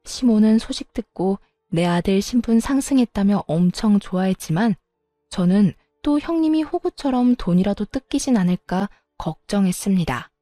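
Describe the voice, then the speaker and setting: A woman's voice: medium pitch, mellow, no room sound, studio quality. A woman narrating a revenge story in a chatty, confiding tone.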